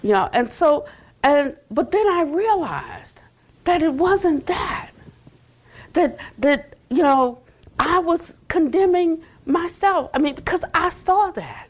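High-voiced older woman giving a dharma talk. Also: slow pace. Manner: animated storytelling with frequent restarts and "you know". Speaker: Buddhist teacher. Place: retreat center meditation hall.

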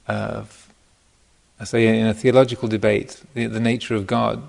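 A man giving an informal dharma talk as a meditation teacher, speaking thoughtfully and hesitantly, often pausing mid-phrase, in a gravelly voice. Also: mid-range voice, darkish tone. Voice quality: gravelly, creaky voice. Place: meditation retreat center.

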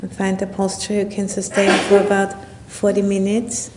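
A woman leading a guided meditation as a Buddhist teacher, speaking in unhurried, halting phrases with long pauses. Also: completely flat delivery. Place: retreat session at a monastery or retreat center. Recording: low rumbling background noise.

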